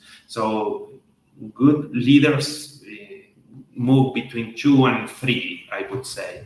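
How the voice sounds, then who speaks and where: Very slow speech in a Spanish accent carries audible room echo. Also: man. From Argentina. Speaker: author and leadership expert. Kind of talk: interview. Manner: halting, many fillers and repetitions.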